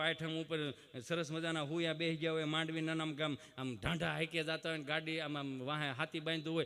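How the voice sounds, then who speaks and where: A man telling a folksy comedy monologue on stage, preaching to the audience and breaking into mock shouts and sung lines. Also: on the high side, smooth. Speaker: comic storyteller. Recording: long hall reverb.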